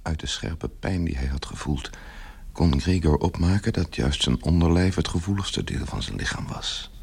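A man narrating a literary radio play in a measured, grave manner with a gravelly, husky voice. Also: a bass voice, animated.

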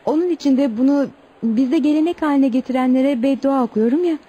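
A woman's voice: high-pitched, brisk, mellow, close to an everyday voice. An actress playing an earnest young tribal woman who tells her story politely but with indignation in a Turkish radio play. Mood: grave, bitter. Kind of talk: Turkish radio theatre acting.

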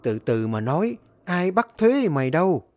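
A man voicing an impatient, sharp-tongued older woman, mistress of the house, in a spoken story. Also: fairly high pitch, sing-song, normal speed, voice pushed up. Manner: scolding, impatient.

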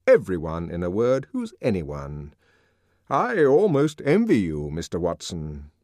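A man voicing a powerful older controller who lectures in a measured, sardonic way. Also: low-pitched, huge pitch swings, darkish tone, no echo, studio quality, exaggerated voice.

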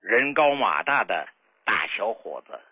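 A man's voice: fairly low pitch, big pitch swings, unhurried, husky, no echo. An older man, a traditional medicine doctor telling a patient's story on a radio health show in a folksy, dramatic way. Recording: dull lo-fi radio broadcast.

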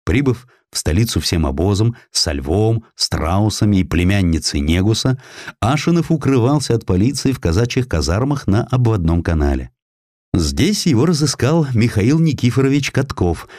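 A man narrating a historical story in an expressive, dramatic storytelling manner. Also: fairly low pitch, dry recording, clean studio sound. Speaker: audiobook narrator.

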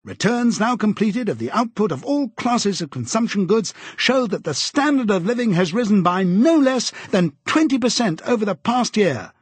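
A man's voice: high voice, big pitch swings, normal speed, few pauses, slightly rough, no echo, pitched above the performer's own voice, heavily acted. A man doing an eager young announcer. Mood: zealous. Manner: proclaiming, zealous. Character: eager youthful male broadcast announcer.

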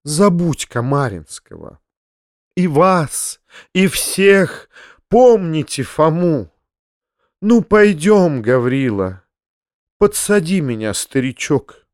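A man reading an audiobook, voicing a pompous, self-righteous older male hypocrite who shrieks in a high, preachy voice. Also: lively intonation, slow pace, long pauses, dry recording, clean studio sound. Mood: pompous blessing. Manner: sanctimonious, preachy, hysterical.

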